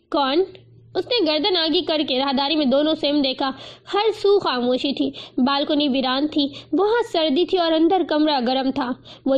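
Woman, audiobook narration of a novel, high voice, steady expressive storytelling, dull lo-fi recording.

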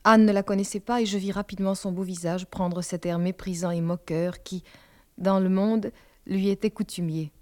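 A woman narrating a novel in a measured, expressive reading. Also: mid-range voice. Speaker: audiobook reader. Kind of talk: scripted literary narration.

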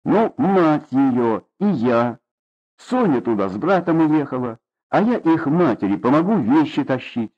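A man's voice: mid-range voice, big pitch swings, measured pace. A man voicing a stubborn young man in love, answering curtly, on a dull lo-fi recording. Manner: curt, stubborn.

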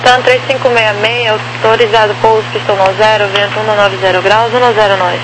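A woman's voice: mid-range voice, fairly even intonation, fairly quick. A woman with a Brazilian accent giving procedural air traffic control instructions over aviation radio. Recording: noisy radio with vehicle hum.

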